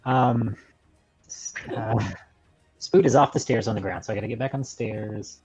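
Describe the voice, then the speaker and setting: A man's voice: on the low side, normal speed, darkish tone, breathy edge, lo-fi sound. A man playing a tabletop role-playing game, chatting casually, thinking aloud hesitantly and joking.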